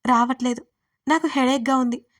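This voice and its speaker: Woman narrator as a dreamy young college girl, soft and tender, slightly high. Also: steady tone, moderate pace, close to an everyday voice. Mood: casual.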